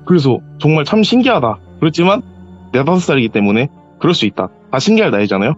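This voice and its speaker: A man phones in to share his own ghost story for a call-in horror show, speaking quickly over a voice line that cuts off the high frequencies. He's lively and animated, and his pitch shoots up sharply whenever he acts out what someone said. Soft music plays in the background.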